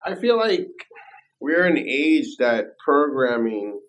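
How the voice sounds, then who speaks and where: A man hosting a podcast interview, speaking in a quick, emphatic, enthusiastic way. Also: mid-range voice, very animated, fairly bright tone, rough recording. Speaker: podcast host. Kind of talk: casual interview chat.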